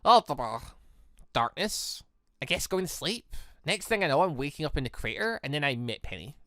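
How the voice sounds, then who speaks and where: A game streamer as a candid, bright-voiced young man. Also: mid-range voice, sing-song, moderate pace, no echo, clean studio sound. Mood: hesitant. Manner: casual, candid, wry. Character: earnest, candid young man with lost memories.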